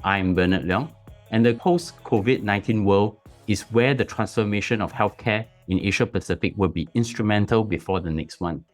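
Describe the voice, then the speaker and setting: A man's voice: fairly low pitch, moderate pace, faint music behind. A man hosting an interview podcast, with formal, scripted introductions and questions. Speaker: podcast host.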